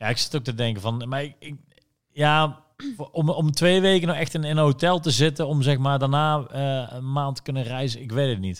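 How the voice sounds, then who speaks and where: Speaking with a strong Brabant accent, a man talks at a moderate pace in a fairly high pitch with ordinary pitch variation. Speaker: podcast host. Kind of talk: casual chat.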